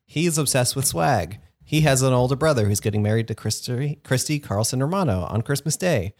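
A man's voice: mid-range voice, animated, brisk, a little mellow. A man co-hosting a podcast, summarizing a film's plot in casual chat. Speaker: podcast co-host.

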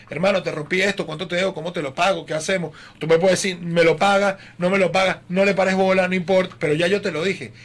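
High, bright-voiced man. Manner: animated storyteller, acts out quoted voices. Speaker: guest. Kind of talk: casual chat.

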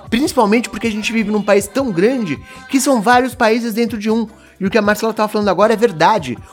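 A Brazilian man with a high-sitting voice argues his views casually in a group discussion. He's blunt and animated, firing off rhetorical questions.

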